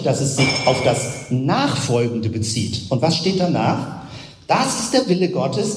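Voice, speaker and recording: Male preacher, animated explanatory delivery, long hall reverb. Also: fairly high pitch. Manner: explanatory, builds up with rhetorical questions. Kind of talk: sermon with close reading of Bible verses.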